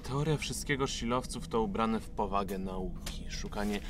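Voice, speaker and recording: An actor playing an inquisitive, skeptical musician-scholar in a futuristic radio drama, with a questioning manner. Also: male voice, on the low side, normal speed, close to an everyday voice. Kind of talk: Polish radio drama acting.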